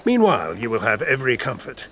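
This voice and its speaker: Condescending, animated royal chamberlain. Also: male voice, medium pitch, slight background noise, heavily acted. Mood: smoothly patronising. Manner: patronising, measured, formal courtly speech. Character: condescending royal chamberlain, a worldly, cynical courtly man. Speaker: actor in an audio drama. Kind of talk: audio drama acting.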